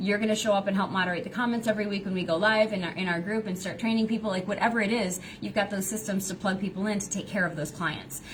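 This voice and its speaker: Very fast speech from a medium-pitched woman, hardly any pauses, noticeable background noise. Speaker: business coach. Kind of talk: live training. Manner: animated.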